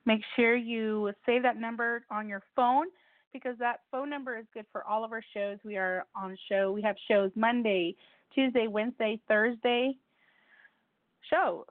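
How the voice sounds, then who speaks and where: A woman's voice: fairly high pitch, fairly even intonation, unhurried, dry recording. A woman whose first language is Spanish hosts a call-in radio show in a chatty way, repeating details and stumbling over her words. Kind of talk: casual call-in radio hosting. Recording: tinny phone line, dry.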